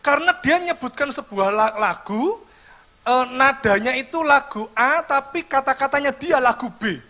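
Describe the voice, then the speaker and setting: A middle-aged man, preaching a lively sermon and joking with the congregation. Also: extremely high pitch, moderate pace. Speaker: pastor. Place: church hall. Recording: church livestream with music behind.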